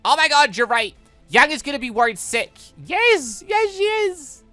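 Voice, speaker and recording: A let's player voicing an excitable, earnest teenage girl heroine from a visual novel, gushing and eager. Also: sits high, normal speed, no echo, faint music behind, voice pushed up, full character voice. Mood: excited.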